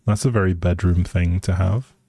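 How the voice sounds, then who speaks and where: A man's voice: deep voice, steady tone, normal speed, vocal fry, dark tone, husky, dry recording, studio quality. A man live streaming a game, chatting casually with viewers in a friendly, rambling way as he thinks aloud. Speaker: live streamer playing a life simulation game. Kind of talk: casual gameplay chat with viewers.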